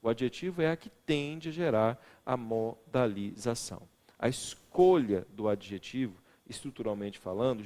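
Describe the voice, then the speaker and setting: A man's voice: mid-range voice, big-room sound. A man teaching legal writing in a recorded lecture, stressing words for effect and putting questions to his students. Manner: expressive, stresses words, asks the class questions.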